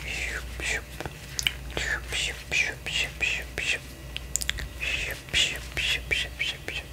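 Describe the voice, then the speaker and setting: A woman in her twenties whispering breathily in an ASMR personal attention roleplay, often softly repeating words. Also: very slow. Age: 20s. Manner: soft repetition of words. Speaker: ASMR roleplay host as facial therapist. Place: small indoor room.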